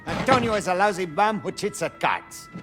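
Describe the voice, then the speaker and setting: An actor playing a sly, theatrical black-market trader with an Italian accent, teasing in a video game. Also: male voice, high voice, normal speed, music in the background. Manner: animated, teasing. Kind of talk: cinematic game dialogue.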